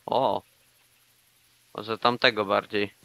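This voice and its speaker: A young man chatting casually and excitably while playing a hunting game with a friend. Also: lowish voice, slow, vocal fry, no room sound. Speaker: gaming YouTuber. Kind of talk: casual co-op gameplay chat.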